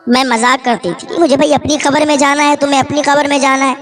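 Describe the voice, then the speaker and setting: A woman's voice: high-pitched, little pitch movement, soft background music, close to an everyday voice. A woman voicing a dead wife who confesses how she mocked her husband, in a storytelling sermon. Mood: mocking. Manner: mocking, dismissive.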